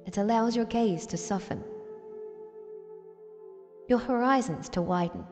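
A woman narrating a scripted guided sleep meditation in a soothing, deliberate manner, with gentle pauses between phrases. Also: mid-range voice. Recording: long reverb, music behind voice. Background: soft music.

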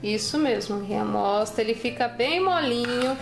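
A woman's voice: on the high side, measured pace, vocal fry. A woman off camera in a home kitchen, prompting a child and explaining the recipe. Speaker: off-camera helper and co-host. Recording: echoey kitchen with background music.

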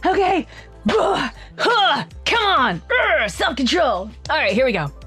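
A woman reads audiobook lines and keeps collapsing into giggles. Her pitch leaps widely and her delivery is slow and unhurried. Soft music plays faintly underneath. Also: very animated. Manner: giggling, breaking up mid-line. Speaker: audiobook narrator. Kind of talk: studio outtakes, reading and laughing.

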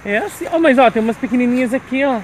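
A man with a notably high voice chats to his followers as he walks. He talks casually and keeps calling out to his viewers. It is recorded on a handheld phone outdoors, with traffic and street ambience loud behind him. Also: quick pace. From Brazil. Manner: chatty, keeps addressing viewers as "gente". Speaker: vlogger. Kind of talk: casual walking vlog. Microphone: handheld phone camera while walking.

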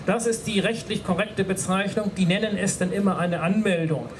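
A man's voice: high-pitched, normal speed, noisy background. A man explaining legal points formally to an audience at an outdoor rally, speaking into a handheld microphone. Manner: formal, lawyerly, with hesitant fillers. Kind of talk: explaining law at a public rally. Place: outdoor stage at a street rally. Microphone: handheld mic through PA. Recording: outdoor PA with crowd around.

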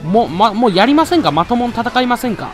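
Excitable man trash-talking over game music. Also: very high-pitched, fast. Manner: excitable, trash-talks the monster with rough taunts. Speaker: let's play commentator. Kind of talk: live gameplay commentary. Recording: loud game music behind voice.

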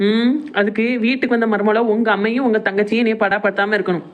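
Woman voicing a sharp-tongued young wife. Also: medium pitch, fairly even intonation, fast talker, phone-quality sound, lightly acted. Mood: scolding. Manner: sharp, sarcastic.

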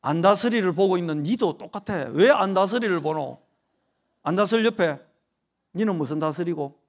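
A man in his forties preaches with a Gyeongsang accent in a church service, his voice sitting a little high for a man. He jokes and banters with the children in the pews, then swings back into fervent, loud preaching before dropping to quiet asides. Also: expressive, moderate pace. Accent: Gyeongsang Korean. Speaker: pastor. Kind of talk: sermon. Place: church sanctuary during worship.

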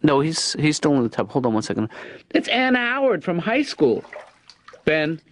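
A man voicing a mild, hesitant middle-aged father in a cartoon, stammering in a gentle deadpan. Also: a little high, normal speed, dry recording. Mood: dry. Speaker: father and therapist.

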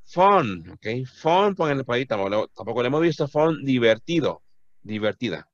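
A man's voice: mid-range voice, big pitch swings, normal speed, no echo, dull audio. A man teaching an English class to Spanish-speaking students, patiently repeating words to drill their pronunciation.

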